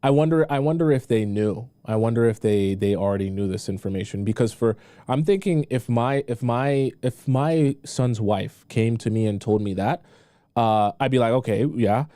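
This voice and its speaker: A man's voice: mid-range voice, moderate pace, warm tone, no echo. An American man giving casual reaction commentary as a streamer, questioning and repeating himself in disbelief.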